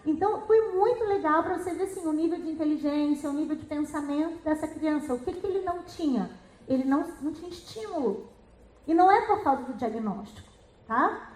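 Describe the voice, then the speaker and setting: A middle-aged woman with a high voice explains reading lessons to teachers. She talks in a lively way and keeps asking rhetorical questions. The room around her is roomy and echoey. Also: brisk. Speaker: educational psychologist and teacher.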